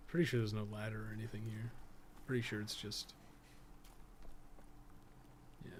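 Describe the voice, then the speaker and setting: A man's voice: fairly low pitch, level tone, normal speed. Rambling man doing gameplay commentary, noisy recording. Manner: rambling, thinking aloud, casually profane. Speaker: podcast co-host and gaming streamer. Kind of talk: casual live gameplay commentary.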